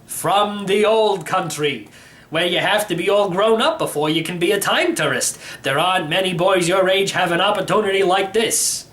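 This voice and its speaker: A man's voice: high-pitched, normal speed, a bit bright, voice pushed up. A man voicing an eccentric, cheerful elderly uncle in a storybook, explaining things in a rambling, matter-of-fact way. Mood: cheerful, reassuring. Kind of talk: storybook character reading.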